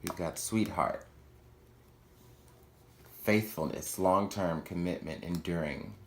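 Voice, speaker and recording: A man giving a chatty tarot reading, with playful asides and quick self-corrections. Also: low-pitched. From Houston, Texas. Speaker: tarot reader. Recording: echoey room with faint noise.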